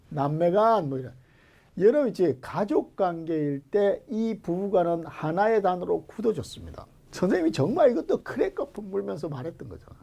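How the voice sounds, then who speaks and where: A man teaching Korean grammar for civil service exams in a jokey, animated way, jumping between loud calls and whispered asides, his throat strained. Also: fairly high pitch, breathy edge. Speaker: Korean language exam lecturer. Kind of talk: online exam-prep lecture.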